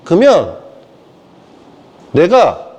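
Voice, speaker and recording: Lively high-voiced man preaching casually. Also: extremely slow, husky. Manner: rambling, mocking asides, acts out quoted voices. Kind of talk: informal sermon lecture.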